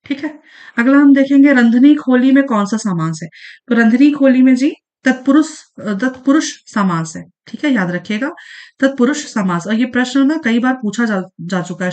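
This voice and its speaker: A woman walks students through exam questions in a relaxed, repetitive way. She keeps coming back to fillers and reminders to remember each answer. Her voice sits a little high. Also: normal speed. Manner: repeats points, frequent fillers and "ठीक है, याद रखिएगा". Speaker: exam prep teacher. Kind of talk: casual explanatory lesson.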